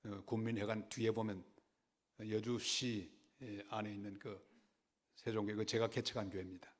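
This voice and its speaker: An older man preaching a sermon, telling a story in an animated way with dramatic swings in pitch and loudness. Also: normal speed. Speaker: pastor.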